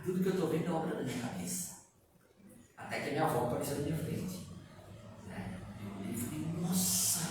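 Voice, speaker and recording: A man with a Brazilian Portuguese accent giving a lively spiritist lecture to a live audience, asking them questions and chuckling often. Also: medium pitch. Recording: echoey room, far from the mic, background noise.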